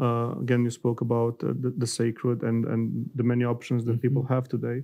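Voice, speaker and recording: Against a quiet background, a man with a dark, mellow tone speaks fairly slowly at a medium pitch with monotone, flat intonation. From Romania. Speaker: lecturer and interpreter; lecturer. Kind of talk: interview interpreting. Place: studio. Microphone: lapel.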